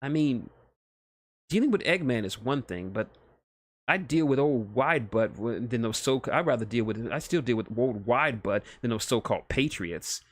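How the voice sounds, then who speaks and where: A cocky young hedgehog hero from a fan story, acted out by a man. He talks in casual slang, playful and teasing, with loyalty under the bluster, his pitch raised a little in a dry, close recording. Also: lively intonation, normal speed, no room sound, lightly acted. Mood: indignant, protective.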